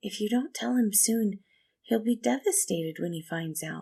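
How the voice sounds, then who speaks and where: A female-sounding voice performs a put-on character voice with a gentle tone. The pitch is medium for a woman, and the pace is moderate. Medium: read story. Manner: soft, gentle.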